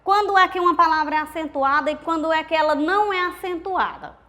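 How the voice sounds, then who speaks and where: A woman teacher with a Brazilian accent giving a recorded grammar lesson, explaining slowly and asking rhetorical questions. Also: very high-pitched, sharp tone. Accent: Brazilian Portuguese. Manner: slow, deliberate explanation, counting syllables aloud; asks rhetorical questions to the class.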